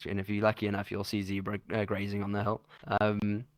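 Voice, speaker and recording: A man's voice: lowish voice, completely flat delivery, quick pace, no room sound. A man with a South African accent talking casually and slangily as a guest in a video-call interview, rambling with restarts. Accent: South African English.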